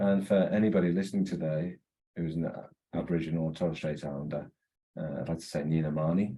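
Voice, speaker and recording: Very fast and in a very deep, low pitch, a man speaks with a dark, mellow tone and fairly even intonation. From Liverpool. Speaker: speaker giving an acknowledgement of country. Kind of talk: informal spoken, with fillers.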